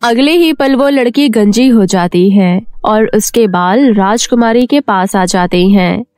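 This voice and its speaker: A woman's voice: medium pitch, a little slow, a little mellow, dry recording, clean studio sound. A woman storyteller reading a scripted children's fairy tale narration. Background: faint music.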